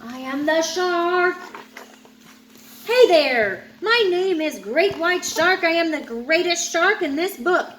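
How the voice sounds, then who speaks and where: A woman's voice: extremely high pitch, expressive, takes it slowly, fairly bright tone, slight background noise, voice pushed up, exaggerated voice, poor audio. A woman voicing a boastful great white shark in a children's storybook, with an exclamatory delivery. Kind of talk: children's picture book read-aloud.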